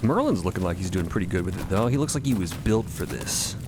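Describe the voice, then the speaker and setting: A man's voice: deep voice, lively intonation, quick pace, background noise. A man co-narrating a fiction podcast in a wry, conversational, emphatic way. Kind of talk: playful improvised-sounding story narration. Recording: loud music bed under narration.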